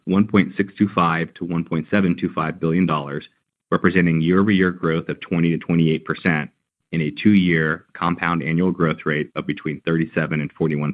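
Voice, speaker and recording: A man presenting as a company finance executive, reading prepared earnings remarks in a formal, measured way. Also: sits low. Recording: dull, band-limited conference call audio.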